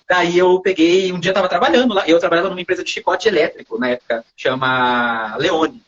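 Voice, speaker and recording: Brazilian man, high voice, husky, animated storyteller, dull lo-fi audio. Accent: Brazilian Portuguese. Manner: animated, acts out quoted dialogue, frequent tag questions. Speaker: hypnotherapist interview guest. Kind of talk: casual storytelling in a livestream interview.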